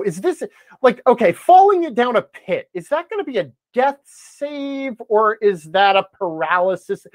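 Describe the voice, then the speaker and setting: A man's voice: on the high side, dry recording. A middle-aged man talking opinionatedly and conversationally as a podcast guest, emphatic and given to sarcastic asides. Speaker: podcast guest, tabletop gaming blogger.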